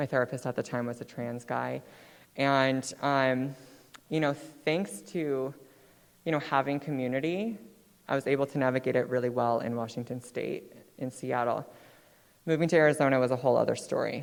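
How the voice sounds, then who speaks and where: Long pauses come often in this American-accented speech. The pitch varies in an ordinary way. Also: woman, very deep, low pitch for a woman. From Idaho, US. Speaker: featured speaker. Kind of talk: keynote talk. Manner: fast; animated.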